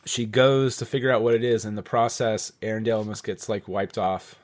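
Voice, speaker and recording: A man's voice: on the low side, steady tone, brisk, no room sound. A man hosting a podcast, chatting casually in a rambling way, full of "like" and the odd swear word. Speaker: podcast host.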